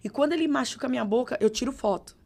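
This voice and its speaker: A woman pastor with a Brazilian accent, telling her testimony in a podcast interview with expressive, dramatic storytelling. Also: sits high, rapid-fire, gravelly. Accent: Brazilian Portuguese. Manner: expressive, dramatic storytelling with vivid reenacted dialogue. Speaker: pastor, guest.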